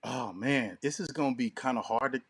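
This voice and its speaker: Male co-host, mid-pitched, casual and profane, slangy, acts out quotes, recorded very dry. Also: normal speed, a bit bright, husky, no room sound. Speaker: podcast co-host. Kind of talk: casual chat.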